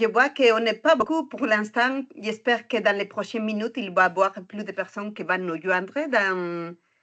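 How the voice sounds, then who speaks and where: A woman with a strong non-native accent speaks in a bright, sharp tone at a fairly high pitch, with ordinary pitch variation. Her pace is moderate with hardly any pauses, against a quiet background. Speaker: staff member of an international secretariat. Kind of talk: webinar presentation. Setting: online webinar. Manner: halting, many hesitations.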